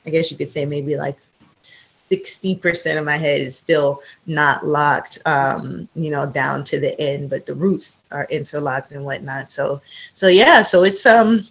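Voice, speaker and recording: A woman guest on a podcast, chatty and relaxed, with many fillers and restarts. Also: low voice, measured pace, creaky. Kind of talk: casual interview chat. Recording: slightly dull audio.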